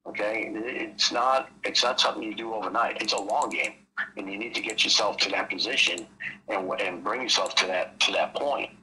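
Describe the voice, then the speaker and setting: A man's voice: fairly low pitch, normal speed, pushed and bright, a little hiss or hum, rough recording. A man explaining trading casually on a call, rambling and leaning on "you know" between thoughts. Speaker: trading mentor.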